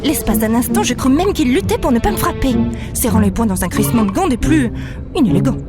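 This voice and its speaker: Woman acting a high-voiced, wry young space heroine. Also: expressive, brisk, close to an everyday voice. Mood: sardonic, dramatic. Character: naive, kind young woman thawed from cryosleep. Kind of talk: audio drama acting and narration. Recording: music under the voice.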